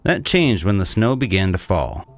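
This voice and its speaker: A man playing a cynical, disdainful 1800s swindler, narrating a gothic horror tale in a measured, condescending way. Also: lowish voice, very animated. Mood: disdainful, brooding. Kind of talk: scripted dramatic horror narration.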